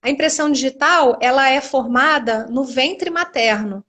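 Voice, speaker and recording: A woman's voice: sits high, normal speed, a bit bright. A middle-aged woman, a speech therapist, explaining voice topics with everyday examples over a video call. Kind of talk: explanatory live-stream chat.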